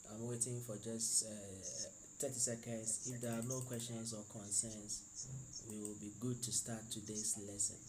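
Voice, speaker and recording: A soft-spoken man with monotone, flat intonation, audible room echo and noticeable background noise. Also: medium pitch for a man, moderate pace. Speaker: teacher. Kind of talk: lecture. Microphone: too quiet for some listeners.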